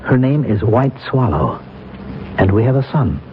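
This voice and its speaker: A man's voice: mid-range voice, very animated, normal speed, close to an everyday voice. An actor playing a bewildered, earnest Native American man from centuries ago, insisting on who he is, in an old radio drama. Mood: earnest, troubled. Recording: muffled, noisy old radio broadcast, phone-like.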